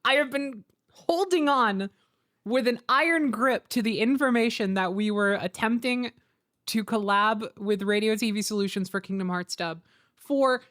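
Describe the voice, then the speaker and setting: A woman's voice: on the high side, moderate pace, a bit bright. Informal woman chatting on a livestream. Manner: informal, chatty, thinking aloud. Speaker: streamer and host. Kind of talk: casual livestream chat.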